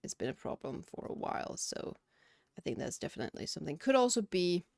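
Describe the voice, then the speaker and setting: This Danish game streamer has a lowish, slightly mellow voice with vocal fry and big swings in pitch, and she talks a little fast. Sitting at her home computer in a room with windows and curtains, she chats casually while gaming, reading out chat questions and answering them. There is no echo.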